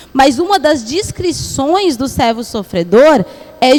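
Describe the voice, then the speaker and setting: Very wide pitch swings come at a very slow pace against noticeable background noise. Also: woman. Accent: Brazilian. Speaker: Bible study teacher. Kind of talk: Bible study lesson.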